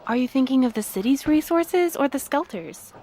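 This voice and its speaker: A woman's voice: sits high, expressive, normal speed, mellow. A woman playing a curious, eager and helpful young researcher in an audio drama, inquisitive and polite. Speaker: actor in a fiction podcast.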